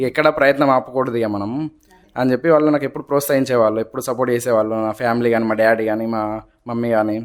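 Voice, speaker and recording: In a monotone, flat intonation, a man delivers his words at a medium pitch. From Telangana, Adilabad district. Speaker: newly recruited government clerk. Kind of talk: radio interview. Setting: studio.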